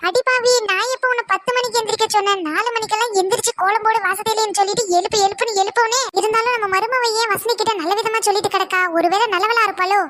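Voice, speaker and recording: Shrill cartoon mother-in-law. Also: fairly even intonation, fast, few pauses, very noisy. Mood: suspicious. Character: scheming village mother-in-law, woman. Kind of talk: animated cartoon voice acting.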